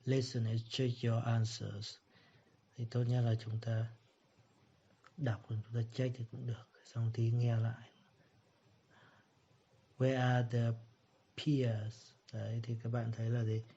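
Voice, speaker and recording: A man teaching English pronunciation, repeating each word slowly before explaining it. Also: medium pitch, little pitch movement, mellow, husky. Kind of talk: pronunciation lesson. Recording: dull lo-fi recording.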